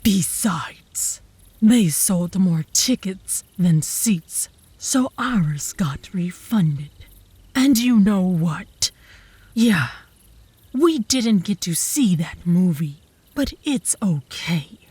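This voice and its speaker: A woman voicing a flirtatious, obsessive werewolf woman in an ASMR roleplay, with a breathy, teasing drawl that often drops to a whisper, close to the mic. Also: on the low side, expressive, warm tone, no echo, full character voice. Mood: smug, defensive. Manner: slow, teasing, seductive drawl. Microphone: close ASMR microphone.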